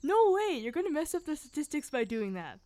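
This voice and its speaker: A woman's voice: sits high, sing-song, brisk, mellow. A young woman playing an earnest young woman who keeps questioning where she belongs, in an amateur audio drama. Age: young adult. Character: young mixed-race woman, searching and earnest.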